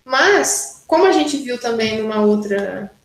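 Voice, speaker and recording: A woman's voice: fairly high pitch, animated, unhurried, echoey room, a little hiss or hum, rough recording. A woman university lecturer teaching an online class, working through exercises step by step and checking in with students often. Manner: explains step by step, frequent "né?" and "tá?" checks.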